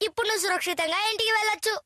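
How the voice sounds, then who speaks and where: Woman voicing an excitable, very high-pitched cave boy. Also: very fast, slight background noise. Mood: friendly. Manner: exclamatory, dramatic. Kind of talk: Telugu cartoon dub.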